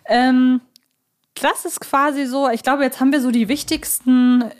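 A woman co-hosting a podcast, chatting casually as a fan and often pausing to search for her words. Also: high voice, steady tone. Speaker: podcast co-host.

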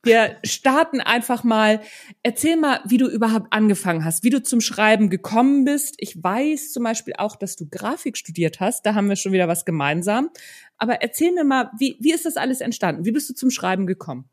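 A woman's voice: fairly high pitch, animated, brisk. A woman hosting a podcast, talking in an enthusiastic, informal way as she introduces and interviews.

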